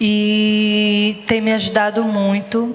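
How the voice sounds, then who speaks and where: Behind a woman's speech, noticeable background noise can be heard. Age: 30s. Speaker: audience member. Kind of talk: testimony. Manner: halting.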